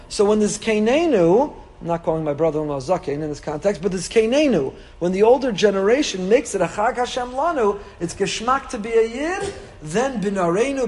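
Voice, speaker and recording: A man with a Yiddish-inflected American Orthodox Jewish accent gives an impassioned, rhetorical sermon as a rabbi, sprinkling in Yiddish and Hebrew and repeating phrases for effect. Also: fairly high pitch. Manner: animated, rhetorical repetition, peppers speech with Yiddish and Hebrew. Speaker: rabbi giving a Torah lecture. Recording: reverberant hall.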